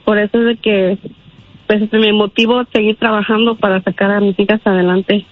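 A woman's voice: medium pitch, level tone, fairly quick. A woman from Guanajuato calling a radio show, speaking modestly and hesitantly. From Guanajuato, Mexico. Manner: modest, hesitant, many "pues". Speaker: caller. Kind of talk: phone call-in on radio. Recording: tinny phone line, dry.

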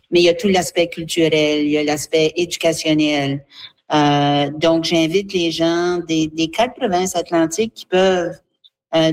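A woman, a guest speaking earnestly for a seniors' association, pausing often with fillers. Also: on the low side. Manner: earnest, halting, with many fillers. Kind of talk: radio interview, advocacy.

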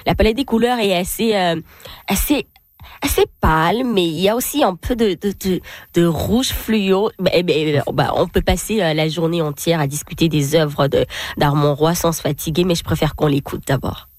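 A woman's voice: fairly low pitch, normal speed, darkish tone, dry recording, studio quality. A woman co-hosting a radio culture segment, presenting reports in a chatty, playful way with many fillers. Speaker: radio co-host. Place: radio studio in Winnipeg.

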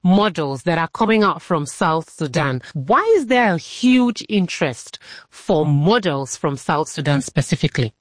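A woman's voice: low-pitched, expressive, unhurried, no echo, studio quality. A woman reporter interviewing a guest, asking long, probing questions with some hesitation. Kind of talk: radio interview.

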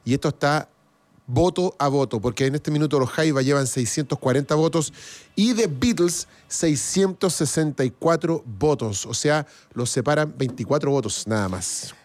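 A man's voice: fairly high pitch, moderate pace, darkish tone. A Chilean man co-hosting a live music stream, chatting casually and reading viewer comments aloud. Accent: Chilean Spanish.

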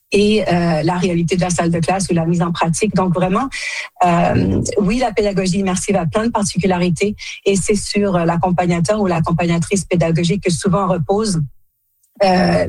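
A middle-aged woman from Quebec answering radio interview questions as an association director, speaking haltingly with many fillers and self-corrections. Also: lowish voice, a little mellow, dry recording. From Quebec, Canada. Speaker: association director general, guest.

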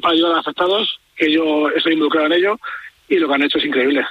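A man speaks as a football fan in a casual interview over a dull, muffled line. His voice is husky and a little high, and he is blunt, often repeating his point. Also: very fast. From Madrid, Spain.

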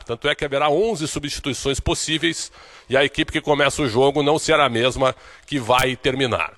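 Bright-voiced sports reporter, brisk delivery. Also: male voice, on the high side. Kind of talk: recorded field report.

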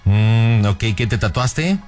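A man's voice: fairly low pitch, animated, slow pace, a little mellow, faint music behind. A man hosting a radio prank show, teasing and playful. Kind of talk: casual radio chat.

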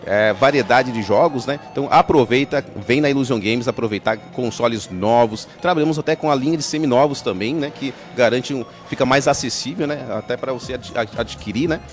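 A man's voice: mid-range voice, a little fast, few pauses. Brazilian guy hyping his game shop, chatty, some music faint in the back. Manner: chatty, upbeat salesman patter. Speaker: game store owner, interview guest. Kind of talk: casual promotional interview. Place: outdoor festival backstage.

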